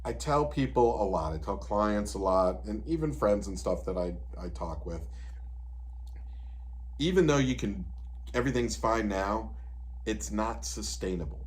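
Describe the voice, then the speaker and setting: A man in his fifties, a disability advocate, explaining plans and supports in a relaxed interview, with frequent "you know" asides. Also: fairly low pitch, measured pace. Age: 50s. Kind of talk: conversational interview advice.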